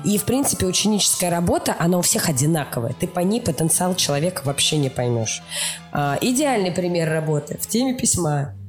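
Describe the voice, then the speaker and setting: A woman's voice: lowish voice, sing-song, a little fast, a little mellow, soft background music. A woman speaking as an interview guest, explaining things in an informal, emphatic way with mock quotes to illustrate. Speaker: animation studio production executive, interview guest. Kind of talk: explanatory interview talk with acted-out examples.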